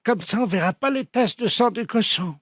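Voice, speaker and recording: A man's voice: sits high, expressive, normal speed, no room sound, studio quality. A man playing a meddling, half-deaf old woman on a prank phone call, who pretends to mishear and keeps pestering in a mock-sweet way. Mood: needling. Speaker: prank caller.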